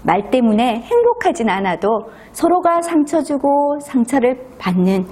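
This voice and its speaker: Expressive husky-voiced woman speech instructor. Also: sits high, moderate pace. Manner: expressive, asks the listener questions. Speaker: speech instructor and show host. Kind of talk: casual talk to viewers.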